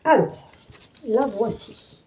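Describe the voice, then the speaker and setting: A woman's voice: a little high, slow, mellow, a little hiss or hum. A woman hosting a craft channel, chatting through an unboxing with many fillers and restarts. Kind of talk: casual unboxing walkthrough.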